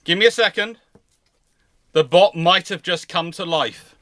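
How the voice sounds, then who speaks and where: A man's voice: high-pitched, unhurried, a bit bright, no room sound, studio quality. A man hosting a livestream in casual chat, rambling and repeating himself as he goes. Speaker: livestream host.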